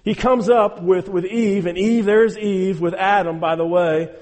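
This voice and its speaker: Emphatic preacher in an echoing hall. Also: male voice, high-pitched, fairly even intonation, a little slow, darkish tone. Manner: emphatic and exhorting, repeats phrases, addresses the audience directly. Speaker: pastor. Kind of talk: sermon.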